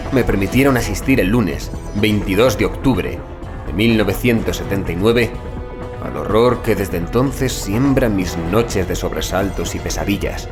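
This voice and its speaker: Low-voiced man narrating horror over music. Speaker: audiobook narrator. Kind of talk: dramatic scripted horror narration in the first person.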